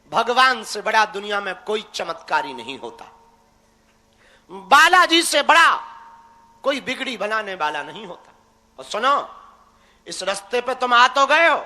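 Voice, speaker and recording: High, bright-voiced folksy preacher man. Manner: teasing, folksy, exhorting. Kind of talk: live religious discourse to a crowd. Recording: echoey hall reverb.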